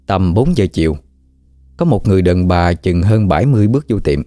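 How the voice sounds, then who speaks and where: Low-voiced man telling a ghost story. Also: lively intonation, a little fast, warm tone, no echo. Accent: Southern Vietnamese. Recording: dry close mic with faint music.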